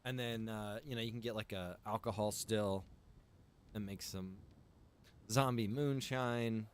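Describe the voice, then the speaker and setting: A man's voice: on the low side, a little hiss or hum. A man talking casually and easily to viewers as he hosts a live gameplay stream, chatty and direct. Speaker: game streamer and server admin.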